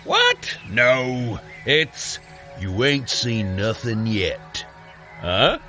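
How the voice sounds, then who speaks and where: Male role, audio drama: boisterous Norse god and eager brother, unhurried and animated, theatrically formal. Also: medium pitch, faint music behind, heavily acted. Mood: teasing. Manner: theatrical, exclaiming, grandly formal. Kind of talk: scripted audio drama acting.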